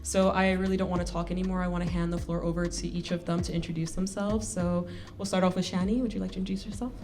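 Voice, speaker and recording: A woman's voice: lowish voice, little pitch movement, quick pace, a little hiss or hum. Gracious woman hosting a live panel. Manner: warm, gracious, eager. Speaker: podcast host.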